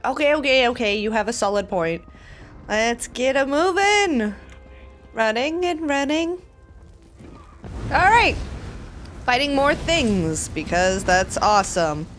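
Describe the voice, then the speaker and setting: Bubbly woman let's play host, high and very lively, chatty commentary. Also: slow pace, long pauses, faint music behind. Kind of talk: casual gameplay commentary.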